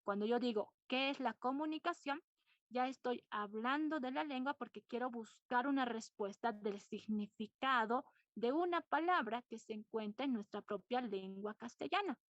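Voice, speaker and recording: A woman teacher takes her class through the lesson step by step, repeating points and putting questions to her students. Her voice sits a little high. The recording is dry and somewhat dull, with no room sound. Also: moderate pace, hardly any pauses, dry recording. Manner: explains patiently, repeats points and quizzes students. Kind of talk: online class lecture.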